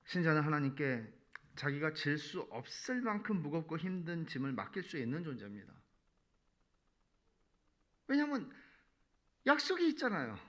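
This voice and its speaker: A male pastor preaches in a relaxed, conversational way, dropping in playful asides. His voice is bright and clear, sitting a little high for a man, and his pitch swings up and down with lively emphasis. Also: brisk. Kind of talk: sermon.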